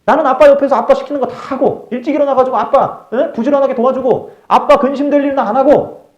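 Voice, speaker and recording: A man shouting as an indignant elder son. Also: extremely high pitch, steady tone, quick pace, pitched above the performer's own voice. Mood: angry, protesting. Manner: shouting, complaining, accusing. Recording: echoey, dull live church sound.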